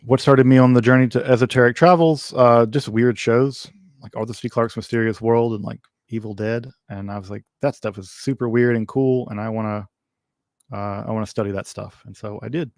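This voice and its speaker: A man's voice: mid-range voice, steady tone, brisk, a little mellow, no room sound, studio quality. A man hosting a casual livestream Q&A, answering viewer questions in a rambling way with many ums, restarts and wry asides.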